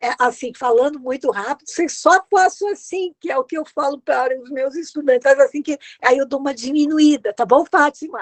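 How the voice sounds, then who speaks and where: A woman with a high voice speaks with lively intonation in a dry, close recording with no echo. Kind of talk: online lecture.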